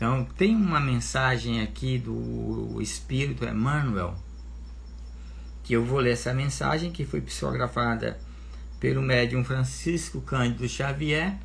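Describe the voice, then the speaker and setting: The pace is fairly slow, with long, frequent pauses and audible echo from the room. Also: man. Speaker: spiritist lecturer. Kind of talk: online lecture; reading aloud. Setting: online video stream. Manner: soft-spoken.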